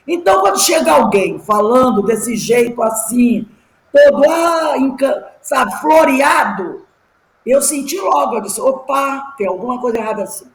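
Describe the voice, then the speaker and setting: A middle-aged woman teaching a class, telling personal stories with lively emphasis and rhetorical questions. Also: a little high, roomy sound, low-quality recording. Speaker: class teacher at a spiritist study group.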